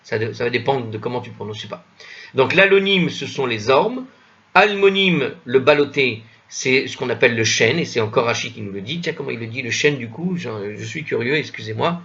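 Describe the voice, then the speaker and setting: A man teaching a commented reading of an old religious text, thinking aloud with many hesitations and self-corrections, slowly sounding out foreign words. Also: mid-range voice, lively intonation, fairly bright tone, highs cut off. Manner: spells out Hebrew and Old French words slowly. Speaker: Talmud study teacher.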